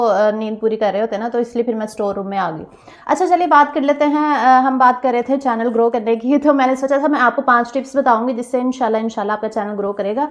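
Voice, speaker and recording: A woman vlogger with a slightly hoarse throat, chatting casually to viewers in a small store room and repeating her points. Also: on the high side, lo-fi sound. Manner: chatty, repeats phrases, addresses viewers directly. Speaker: vlogger giving channel tips. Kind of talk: casual vlog talk.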